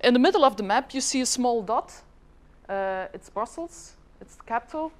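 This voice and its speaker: This middle-aged government department head, a Dutch-native woman from Flanders, Belgium, gives a chatty conference presentation with questions for the audience. Her slightly high voice is animated and darkish in tone, at normal speed.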